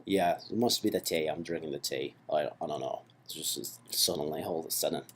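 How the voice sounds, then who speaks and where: A man's voice: very deep voice, fairly quick, a little hiss or hum. A man teaching programming in a casual, chatty tutorial, often checking in with the listener with asides. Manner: chatty and playful, with frequent "right?" and "okay" asides. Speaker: programming instructor. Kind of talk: casual screen-recorded coding tutorial.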